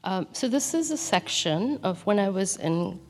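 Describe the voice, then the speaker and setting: A woman from Calcutta whose first language is Bengali, reading aloud from her own memoir in a measured, quiet voice. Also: mid-range voice, expressive. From Calcutta, India. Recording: long hall reverb.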